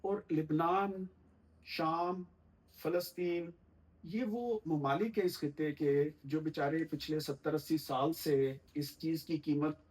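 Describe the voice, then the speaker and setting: A middle-aged man, a guest commentator giving measured political analysis in formal language with frequent thoughtful pauses. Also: on the high side, steady tone, a little mellow, rough recording.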